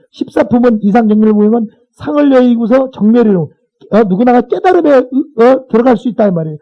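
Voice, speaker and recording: A Buddhist monk lectures on a sutra to his class in an unusually high voice for a man. He keeps it colloquial and checks back with his listeners as he goes. The recording sounds dull and lo-fi.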